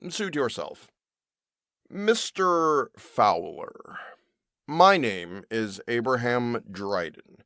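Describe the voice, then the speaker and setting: A man acting in an audio drama as a smug, formal regional manager, measured and politely pointed, with quiet menace. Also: mid-range voice, very animated, no room sound, studio quality, full character voice. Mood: politely menacing.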